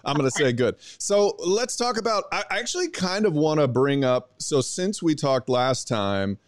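A man's voice: a little high, expressive, moderate pace, dry recording. Guy host chatting casually, jokey and loose, lots of uh's, dry close sound, no room. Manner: jokey, loose, with many fillers. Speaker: radio show host. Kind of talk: casual interview chat.

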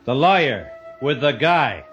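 A man's voice: medium pitch, very animated, measured pace, a bit bright, dull audio, soft background music. An actor in a 1950s radio drama playing a plain-spoken gangster's henchman, blunt and simple.

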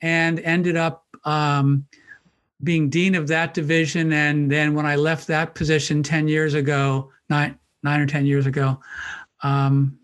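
A man's voice: on the high side, little pitch movement. Thoughtful man in his sixties. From Maryland, United States. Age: 60s. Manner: thoughtful, measured, with frequent restarts and ums. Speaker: guest, New Testament professor. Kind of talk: conversational podcast interview.

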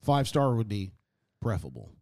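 A man's voice: lowish voice, sing-song, normal speed, darkish tone, dry recording, studio quality. A man hosting a podcast in casual chat, rambling and joking about himself. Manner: rambling, joking, self-deprecating. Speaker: podcast host.

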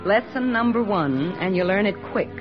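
An actress playing an eager young army nurse in a 1940s radio drama, earnest and soft-spoken, on a dull old radio recording. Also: female voice, mid-range voice, expressive, normal speed, over music, natural voice. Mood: brisk.

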